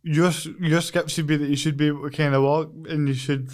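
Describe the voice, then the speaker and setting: A Scottish man with a slightly high voice hosts a podcast in a loose, conversational way. He talks informally, with self-deprecating banter. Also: flat delivery, fairly quick, darkish tone. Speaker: podcast host. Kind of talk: casual interview chat.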